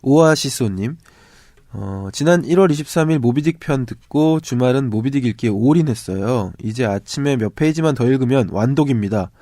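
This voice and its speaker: A man's voice: medium pitch, expressive, fairly quick, warm tone, no echo, clean studio sound. A man co-hosting a casual book podcast, speaking with a stuffy, congested nose. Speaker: podcast co-host. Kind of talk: casual book podcast chat, reading listener comments.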